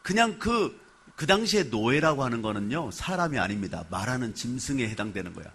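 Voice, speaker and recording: Male pastor, sermon, animated storytelling, bright forceful tone, husky. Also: mid-range voice, brisk. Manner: animated storytelling, asks the congregation questions.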